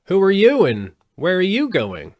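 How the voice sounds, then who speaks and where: A man voicing a kind, brisk female stork with a matter-of-fact manner in a storybook reading. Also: high-pitched, huge pitch swings, a little mellow, no echo, studio quality, voice pushed up, exaggerated voice. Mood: inquisitive, brisk. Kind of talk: storybook character voice in audiobook.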